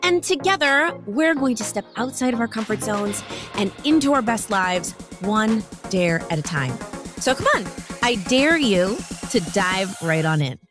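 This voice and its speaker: A woman's voice: mid-range voice, sing-song, unhurried. A woman delivering a polished, inviting scripted intro for her podcast. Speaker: podcast host. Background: music.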